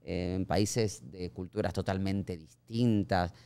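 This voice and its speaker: A man's voice: deep voice, slow pace, vocal fry, clear, resonant tone. A man from Argentina with an Argentine accent, a guest chatting on a podcast and acting out quoted voices as he tells stories. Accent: Argentine Spanish. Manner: expressive, acts out quoted voices. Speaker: actor guest. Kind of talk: casual podcast chat. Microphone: studio podcast mic.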